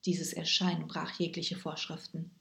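A woman reading a children's story aloud with lively, expressive storytelling. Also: low voice, normal speed, creaky. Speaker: narrator. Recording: echoey room.

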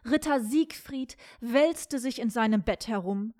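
A woman reading a storybook tale aloud in an even, measured way. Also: a little high, dry recording, clean studio sound. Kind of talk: scripted story narration.

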